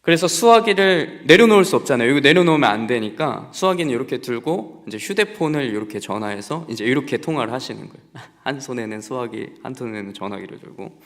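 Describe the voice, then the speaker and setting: A man's voice: medium pitch, expressive, fast talker, few pauses, fairly bright tone. A young adult man preaching to a congregation in a conversational, storytelling way and asking them questions. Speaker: pastor. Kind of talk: sermon. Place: church sanctuary. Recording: long reverb of a church hall.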